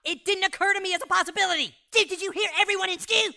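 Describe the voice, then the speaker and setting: A man's voice: very high-pitched, rapid-fire, sharp tone, full character voice. A man voicing a panicky young schoolboy, frantic and exasperated.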